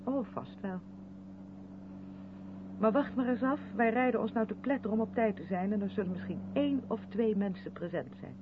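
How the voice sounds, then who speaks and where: A woman's voice: a little high, moderate pace, natural voice. An actress playing a chatty, apologetic and condescending white woman in a radio play, gushing and defensive by turns. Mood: flustered. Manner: gushing, defensive, over-polite. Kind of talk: radio play dialogue in a moving car. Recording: muffled, phone-like 1970s radio recording, loud hum.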